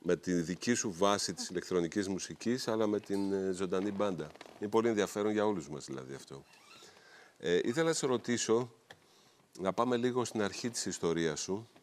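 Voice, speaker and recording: A man interviewing a musician, asking calm questions and giving frequent short affirmations. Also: sits low, fast talker.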